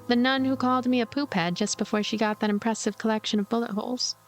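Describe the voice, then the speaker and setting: A woman's voice: fairly high pitch, fairly even intonation, fast talker, soft background music, close to an everyday voice. A woman voicing a cynical, lonely girl who narrates her own visual novel story in a blunt, wry, calculating way. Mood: wry, puzzled. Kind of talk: first-person visual novel narration read aloud.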